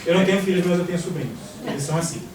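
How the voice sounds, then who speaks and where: A man's voice: a little high, racing, background noise. Insistent Brazilian man lecturing a room. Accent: Brazilian Portuguese. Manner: insistent, explanatory, addresses the audience directly. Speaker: speaker leading a talk. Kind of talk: informal talk with audience exchange. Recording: echoey room from far off, audience present.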